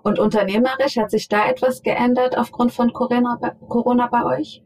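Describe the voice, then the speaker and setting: A woman's voice: fairly high pitch, fairly even intonation, a little fast, darkish tone, low-quality recording. A woman hosting a podcast interview, asking short questions and giving brief affirming murmurs. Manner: attentive, brief affirming backchannels. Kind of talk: casual interview.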